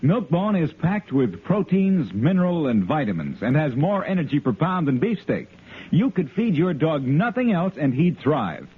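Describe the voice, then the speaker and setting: An upbeat, persuasive male announcer from a 1950s radio show. His voice is a bit husky and bounces up and down. The sound is narrow and tinny, like a telephone. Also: on the high side, very animated, moderate pace.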